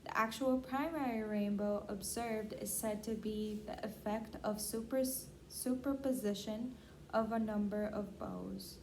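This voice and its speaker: A woman with a mellow, mid-pitched voice responds and reads as a client in an assessment. Her delivery is plain, and a little noise sits behind her. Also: steady tone, a little slow, rough recording. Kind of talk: short answers and reading a passage aloud.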